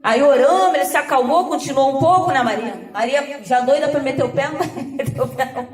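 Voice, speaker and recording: A woman pastor giving a conversational sermon, telling a story in an animated way and acting out the dialogue. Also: high-pitched, fairly quick. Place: church hall. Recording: echoey hall, voice from a distance.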